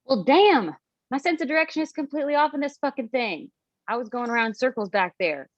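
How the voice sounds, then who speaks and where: A woman's voice: high-pitched, lively intonation, brisk, no room sound. Woman playing a fussy, exasperated country woman, muffled sound. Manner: folksy, exasperated, grumbling. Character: fussy, vain, complaining country woman in a raid. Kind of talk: screenplay table read.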